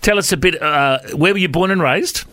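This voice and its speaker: A man's voice: fairly high pitch, a little fast, sharp tone, dry recording. A man hosting a Christian radio talk show, upbeat and chatty, laughing easily with his guests. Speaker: fill-in radio host. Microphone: studio microphone.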